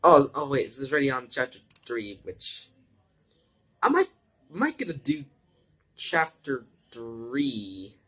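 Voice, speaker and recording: A man's voice: mid-range voice, very animated, slow pace, long pauses, bright, forceful tone, slightly rough. A man reading fan fiction aloud as an amateur, stumbling over words, repeating and correcting himself and adding his own asides.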